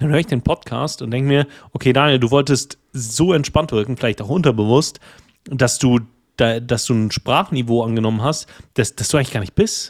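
A medium-pitched man at a fairly quick pace with ordinary pitch variation, dry and close with no echo, on a very clean recording with a silent background. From Rhineland-Palatinate, Germany. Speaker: podcast co-host, manager. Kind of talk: casual chat. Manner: hesitant, many fillers and repetitions.

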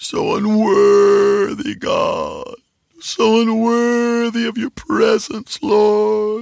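Using a put-on character voice, a man talks very slowly at an extremely high pitch. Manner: tearful, crying.

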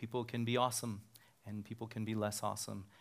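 This man's voice sits at a mid-range pitch. He delivers his words in a flat monotone. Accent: American. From Reno, Nevada. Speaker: pastor giving a talk. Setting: stage with microphone.

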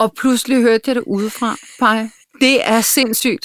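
The sound is dry and close with no echo as a woman speaks at a high pitch. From Denmark, Copenhagen area (Dragør). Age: 40s. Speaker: podcast co-host. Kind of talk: casual chat.

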